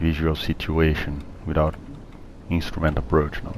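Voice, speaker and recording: Very deep and low in pitch, a man talks at a moderate pace with a Portuguese accent. Noticeable background noise runs underneath. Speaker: flight sim gamer. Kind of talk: gameplay tutorial commentary. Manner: halting.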